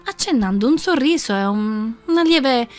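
A woman's voice: on the high side, animated, normal speed. A woman hosting Christian radio, narrating a story expressively.

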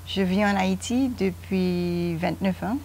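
A woman in her fifties from Guyana, interviewed on the veranda of a home. She speaks slowly and hesitantly in a fairly low voice, pausing often with fillers. A lapel mic picks her up, with faint ambience behind her. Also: steady tone, creaky, a little mellow, a little hiss or hum. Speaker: interview guest, mother.

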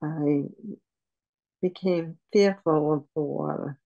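An older woman on a video call at home, speaking softly and haltingly with many pauses as she talks about her life as a patient. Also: deep voice, steady tone, gravelly, dull audio. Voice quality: soft voice. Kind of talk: personal account in an interview. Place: room at home. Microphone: video call webcam.

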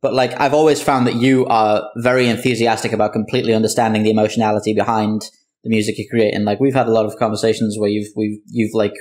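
A man chats in a casual roundtable discussion. He talks quickly, and his voice sits a little on the low side. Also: flat delivery, darkish tone. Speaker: show creator, roundtable speaker.

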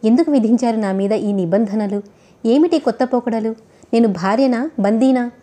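Heartbroken young wife, bitter and sharp-tongued, kinda high, soft warm tone - lady reading her. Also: moderate pace, close to an everyday voice. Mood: anguished. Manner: bitter, accusing. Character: young woman, deceived bride, fiery and heartbroken.

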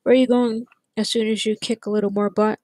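A woman's voice: mid-range voice, little pitch movement, a little fast, mellow, no echo, studio quality, close to an everyday voice. A woman voicing a lazy, joking boy outfielder who likes to clown around like an announcer.

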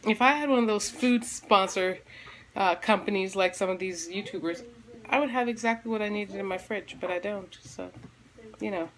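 A woman's voice: medium pitch, moderate pace, a bit bright. Chatty woman vlogging from her kitchen. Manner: chatty, rambling, lots of fillers. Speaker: family vlogger. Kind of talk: casual cooking vlog chat. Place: home kitchen, indoors. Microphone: phone camera held at arm's length.

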